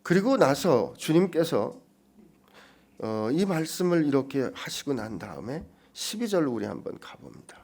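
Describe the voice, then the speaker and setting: A male pastor preaching an expository sermon. His pitch moves up and down with animation. He pushes key points loudly and then drops to hushed, almost whispered lines. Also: big pitch swings, moderate pace, gravelly.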